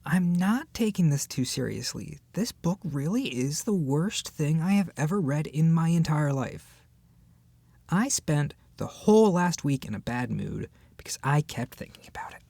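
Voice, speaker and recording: An actor as irritated book club member, sarcastic, exasperated, highly animated pitch, dramatic pauses, close dry recording. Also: gravelly, husky, dry recording, heavily acted. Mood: indignant. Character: irritated book club member ranting about a hated novel. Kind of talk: scripted one-sided roleplay conversation.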